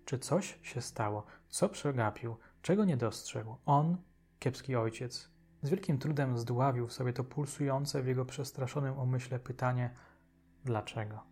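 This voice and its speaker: A man narrating an audiobook in a measured, expressive reading. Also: medium pitch, husky. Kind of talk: scripted narration.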